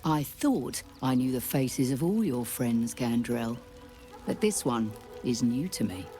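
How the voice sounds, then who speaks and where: A woman's voice: extremely low pitch, expressive, measured pace. A woman playing a proud, stoic tribal leader in mourning in a video game, stern and ceremonial. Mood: stern, ashamed. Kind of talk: video game character acting.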